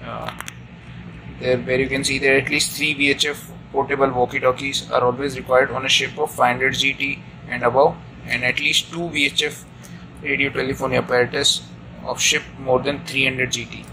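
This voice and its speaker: A man giving an informal hands-on equipment tutorial, halting and repeating himself, recorded on a phone indoors. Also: medium pitch. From India. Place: indoors at a chart table aboard ship. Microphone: handheld phone camera mic. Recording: noisy room, amateur phone video. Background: steady room noise.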